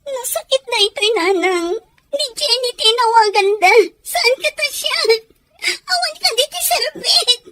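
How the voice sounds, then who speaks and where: A woman playing an anguished, sharp-tongued young wife in a radio drama, with a Filipino accent. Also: very high voice, lively intonation, unhurried, heavily acted. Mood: bitter, scornful.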